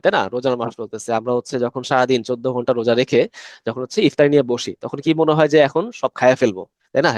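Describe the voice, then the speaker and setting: A man's voice: mid-range voice, no room sound. A young man teaching a recorded biology lecture in a chatty way, often asking a question and answering it himself, with English terms mixed into his Bangla.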